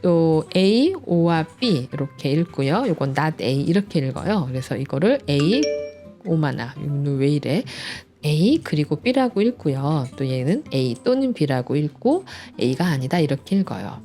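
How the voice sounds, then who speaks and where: A woman's voice: sits low, big pitch swings, takes it slowly, warm tone, soft background music. A woman teaching a programming lesson at home, playful and cheerful, patiently walking through each step. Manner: playful, cheerful, sound effects like "짠짠짠"; chatty and patient explaining. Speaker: coding instructor. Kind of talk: screen-recorded programming lesson.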